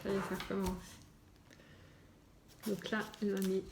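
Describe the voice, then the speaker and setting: A middle-aged woman chatting casually as she unboxes and admires craft gifts, talking softly and often dropping to a hush. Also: medium pitch, level tone, moderate pace, very noisy. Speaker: scrapbooking vlogger.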